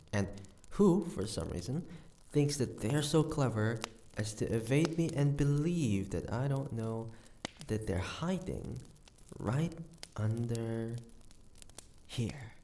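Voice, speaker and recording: A man playing a flirty, teasing bodyguard to a noble in an intimate fantasy audio roleplay, with playful, halting delivery. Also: mid-range voice, dark tone, a little hiss or hum. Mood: smug, teasing. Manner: playful, teasing, halting pauses, often chuckling.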